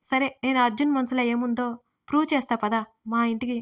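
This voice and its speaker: A woman's voice: a little high, fairly even intonation, a little fast, natural voice. A woman voicing a bossy young woman in an audio story who scolds her friend in an exasperated way.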